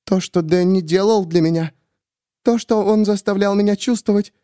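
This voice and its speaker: A man's voice: sits high, steady tone, moderate pace, mellow, no echo, studio quality, pitched above the performer's own voice, close to an everyday voice. A man voicing a shrieking unhinged woman. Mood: bitter, deluded. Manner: hysterical, volatile, shrieking. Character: unhinged jealous young woman with a gun.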